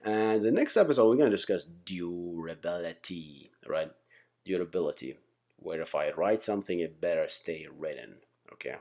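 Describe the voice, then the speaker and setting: A man's voice: sits low, lively intonation, normal speed, warm tone. A man giving an informal explainer lesson as an instructor, conversational and often checking in with his listeners. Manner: conversational, often checks in with "right?", "okay?", "guys". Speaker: software engineering instructor, channel host.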